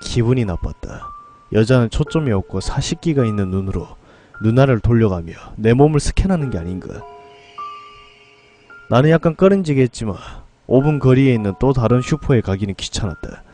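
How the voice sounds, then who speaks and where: Dramatic male horror storyteller, lively pitch. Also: brisk, soft background music. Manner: dramatic first-person storytelling. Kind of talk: scripted horror narration.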